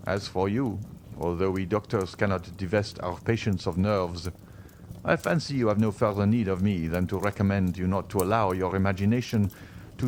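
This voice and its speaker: A man voicing a gentle, kindly middle-aged doctor, speaking slowly and soothingly. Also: sits low, a little hiss or hum, lightly acted.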